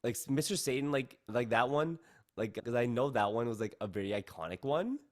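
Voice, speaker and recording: A man hosting a casual podcast, asking excitable, rambling questions of his guest. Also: mid-range voice, fairly quick. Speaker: podcast host. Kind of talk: casual interview chat.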